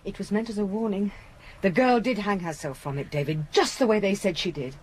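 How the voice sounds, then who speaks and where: An actress playing an anxious, obsessive wife in a radio horror play, intense and dramatic. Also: female voice, mid-range voice, a little fast, natural voice. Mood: ominous, insistent. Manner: intense, dramatic, lapsing into whispers. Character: anxious, obsessive wife gripped by morbid fixation. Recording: noisy 1980s radio drama recording.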